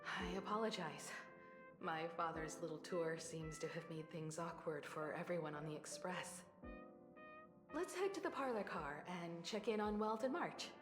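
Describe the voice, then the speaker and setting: Actress as calm grown woman crew leader, lowish voice, polite and measured, game dialogue over music. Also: lightly acted. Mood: apologetic, composed. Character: composed, responsible adult woman crew leader on space train. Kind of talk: video game voice acting.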